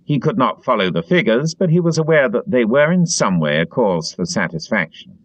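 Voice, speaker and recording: A man reading literary narration as an audiobook narrator, in a dramatic, expressive way. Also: mid-range voice, moderate pace, no echo, highs cut off.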